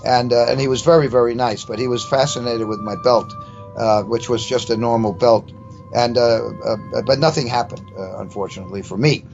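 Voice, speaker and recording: Interview guest: older man, average pitch, stammering conversational anecdote, dull recording with music low behind. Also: fairly even intonation, gravelly, a little mellow. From New York, USA. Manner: halting, stammering, repeats words. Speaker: interview guest telling a personal ghost story. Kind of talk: rambling casual anecdote. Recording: dull lo-fi sound with faint music. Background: faint music.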